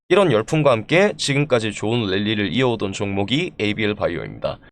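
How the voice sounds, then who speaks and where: Male market commentator, mid-pitched with animated intonation, stuffed up with a cold, formal and courteous presenter delivery. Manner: polite, formal presenter address. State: congested from a throat and head cold. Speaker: stock analysis channel host. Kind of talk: explanatory stock market commentary to viewers.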